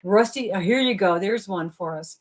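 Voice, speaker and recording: A chatty woman hosts a casual craft livestream with plenty of energy, hopping from one thought to the next. Her voice sits at an everyday middle pitch for a woman, neither high nor low. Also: normal speed, breathy edge. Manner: hyper, chatty, jumps between topics. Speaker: livestream co-host.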